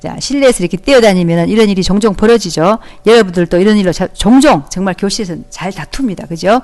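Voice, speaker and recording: A woman's voice: mid-range voice, quick pace, a little mellow. A woman teaching an audio-only class to young children, talking them through with encouraging questions and acting out their lines. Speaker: elementary school teacher. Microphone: close microphone, audio only.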